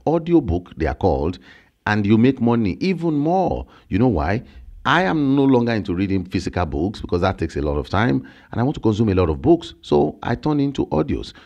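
The recording sounds muffled, but the man's lowish voice comes through as he energetically and emphatically explains online work ideas, gesturing with his hands. He's in his thirties, has a Nigerian accent, and makes content about online income. He talks close into a large studio mic on a boom in a small indoor home studio filled with shelves and plants.

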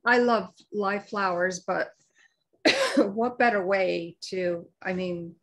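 A woman's voice: medium pitch, very slow, fairly bright tone. A middle-aged woman co-hosting a live podcast from her home office, chatting unhurriedly with fillers and small coughs. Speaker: podcast co-host. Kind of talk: casual live podcast chat. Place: home office, video call.

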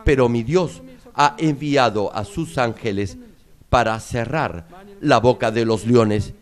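A man's voice: medium pitch, slow pace, close to an everyday voice. A man voicing the faithful prophet Daniel in a solemn, raised reading. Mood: aggrieved.

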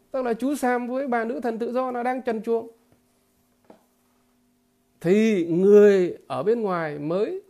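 A man giving a political commentary monologue to his viewers, halting and repeating filler words, emphatic and blunt. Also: sits high, vocal fry, a little mellow. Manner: emphatic, with blunt crude imagery.

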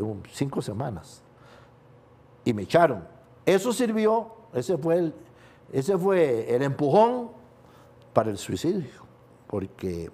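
Older Costa Rican male interviewee, mellow low timbre, candid confessional storytelling with rueful laughs. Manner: confessional, laughs through painful memories. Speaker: guest, sports journalist.

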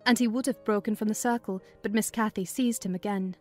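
A woman's voice: mid-range voice, fairly even intonation, fairly quick, faint music behind. A woman narrating a classic novel as a scripted, dramatized audiobook reading.

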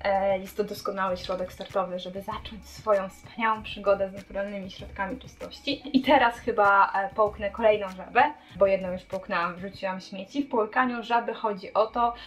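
A woman's voice: medium pitch, steady tone, fairly quick, hardly any pauses. A young woman vlogging about cleaning, talking casually to the camera in a small apartment hallway, with frequent hesitations and restarts. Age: young adult.

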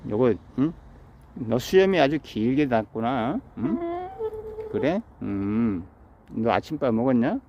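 A man's voice: mid-range voice, lively intonation, a little slow, warm tone, lo-fi sound, a little hiss or hum. A man on a rooftop in the early morning, chatting to his pet chicken in a coaxing, teasing way, like he would talk to a child. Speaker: pension owner talking to his pet chicken.

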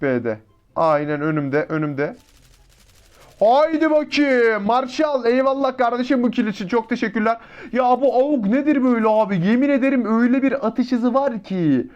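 A man with a high-pitched voice gives running live commentary over a mobile shooter match. He is excitable and slangy and keeps talking both to his teammates and to the people watching. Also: normal speed, muffled recording. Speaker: mobile shooter gameplay YouTuber.

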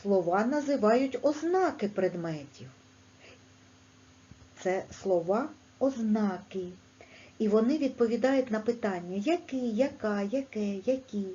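A woman teaching young children a language lesson, speaking clearly in a sing-song teacher manner with a Ukrainian accent. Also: muffled recording. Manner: slow, clear, sing-song teacher talk with lively pitch. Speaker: primary school teacher.

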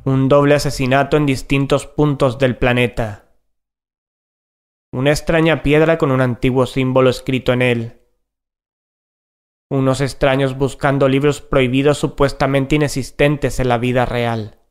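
A man playing a grave, cryptic investigator in an audio horror drama, speaking in a measured, ominous and insistent way. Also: mid-range voice, little pitch movement, smooth, close to an everyday voice. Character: grave, cryptic male investigator pursuing dark suspicions.

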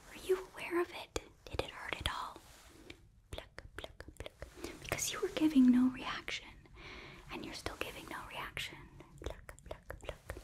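Girl acting as soft whispery perky young hostess from hell, high voice, slow n gentle, asmr roleplay right up close. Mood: gentle, attentive. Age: young adult. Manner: gentle, hesitant, caring, coaxing. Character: sweet, earnest, perky young woman hotel hostess from Hell. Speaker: ASMR performer. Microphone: close microphone.

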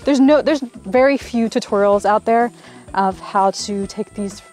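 A woman's voice: medium pitch, unhurried, darkish tone, soft background music. A young woman talking casually and self-mockingly to her viewers while working on a camper, outdoors and inside it, into a clip-on mic. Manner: chatty, self-mocking, laughs often. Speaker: vlogger. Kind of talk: casual DIY vlog. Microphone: clip-on mic held to the mouth.

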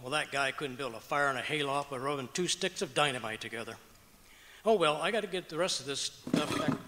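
A man's voice: on the high side, a little fast, noisy background, natural voice. A man playing a blustering, boastful, cranky husband in an old-time radio comedy, folksy and argumentative. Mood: boastful, irritated. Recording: echoey auditorium stage with long reverb.

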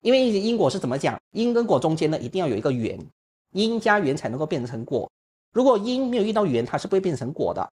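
A man, a Buddhist monk, teaching and answering questions in a lively, humorous way over an online call, filling his speech with little particles. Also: a little high, fast talker, breathy edge. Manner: lively, humorous, acts out examples; frequent filler particles like "呢" and "啊". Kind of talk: Dharma talk answering questions. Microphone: online video call.

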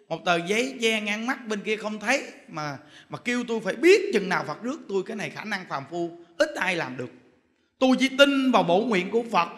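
A man giving a Buddhist dharma talk in a temple hall, telling stories in an animated way, with loud bursts and chuckles. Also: high voice. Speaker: Buddhist monk teacher. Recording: long hall reverb.

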